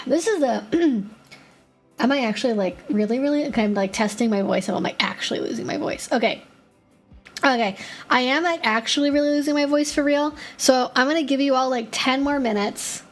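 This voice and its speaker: A woman with a fairly high voice hosts a relaxed live stream, answering viewer questions one after another. She talks in a loose, chatty way and thinks aloud with plenty of filler words. Faint music plays softly underneath her. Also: normal speed.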